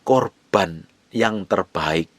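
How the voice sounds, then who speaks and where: A male pastor preaching a sermon, emphatic, with sudden rising bursts and slow drawn-out phrases. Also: deep voice, no room sound.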